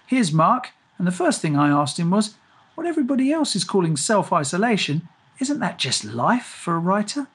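A man's voice: high-pitched, sing-song, normal speed, fairly bright tone, breathy edge. A man speaking as a podcast host, introducing and interviewing a guest from a room at home.

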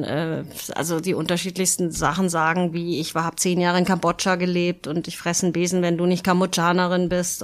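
Eine Frau als Interviewgast, die im lockeren Plauderton lebhaft von ihren Reisen erzählt und oft mit „äh“ und „ähm“ zögert. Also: female voice, lowish voice. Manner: lively storytelling with many fillers. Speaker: guest, travel speaker. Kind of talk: casual interview answers.

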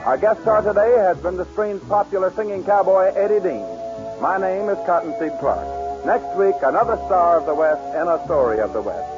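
A man's voice: high-pitched, animated, normal speed. A man hosting a western show in the scripted style of an old-time radio announcer. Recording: dull vintage radio recording, music behind. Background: loud music.

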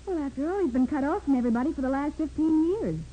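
An actress playing a young, eager detective's assistant in a 1940s radio drama, earnest and inquisitive. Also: female voice, high-pitched, animated, fast, warm tone, low-quality recording. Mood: curious, earnest.

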